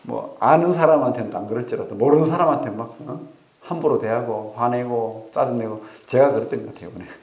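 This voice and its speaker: Male pastor for a sermon, gravelly voice, lively storyteller who keeps checking in with the pews, roomy church sound. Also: mid-range voice, a little fast. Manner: animated storytelling with rhetorical questions to the congregation. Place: church sanctuary.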